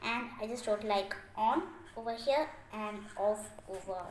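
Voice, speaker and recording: A woman's voice: mid-range voice, unhurried. A woman hosting a casual step-by-step craft tutorial, often padding her phrases with "like" as she explains. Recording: echoey room with faint noise, clicks.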